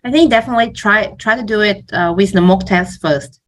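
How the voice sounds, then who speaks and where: A woman's voice: medium pitch, fairly quick. A woman test coach talking casually in a question-and-answer discussion, hesitantly, often repeating words as she goes.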